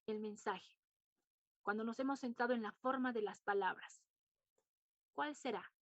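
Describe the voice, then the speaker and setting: A woman teacher takes her class through the lesson step by step, repeating points and putting questions to her students. Her voice sits a little high. The recording is dry and somewhat dull, with no room sound. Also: measured pace, dry recording. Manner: explains patiently, repeats points and quizzes students. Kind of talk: online class lecture.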